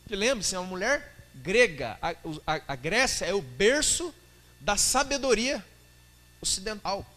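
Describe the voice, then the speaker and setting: A man's voice: high-pitched, sing-song, unhurried, sharp tone. A male pastor with a Brazilian Portuguese accent preaching a colloquial sermon, often acting out dialogue.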